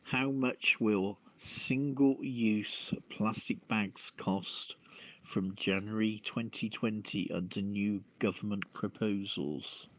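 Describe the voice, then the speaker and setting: A man's voice: on the low side, steady tone, takes it slowly. A man casually hosting a quiz as the question master. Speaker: quiz host. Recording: dull lo-fi dry audio.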